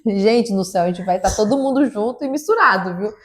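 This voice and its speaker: A woman's voice: medium pitch, animated. A woman co-hosting a casual Christian podcast, talking earnestly and stopping to restart her phrases. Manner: earnest, preachy, halting with restarts. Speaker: podcast co-host.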